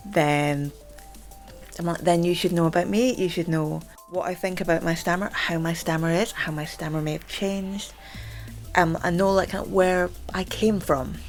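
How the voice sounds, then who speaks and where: A young woman with a low voice talks casually to the camera about herself. Her speech catches and repeats as she stammers, with many fillers. Soft music plays faintly behind her. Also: steady tone, moderate pace. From Scotland. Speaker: channel host. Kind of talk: casual vlog chat.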